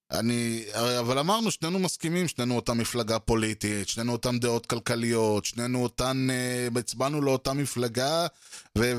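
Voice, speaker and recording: Recorded in studio quality with no echo, a medium-pitched man hosts a solo podcast. His delivery is loose and conversational, packed with fillers and restarts, and he frequently acts out quoted exchanges from both sides of an argument.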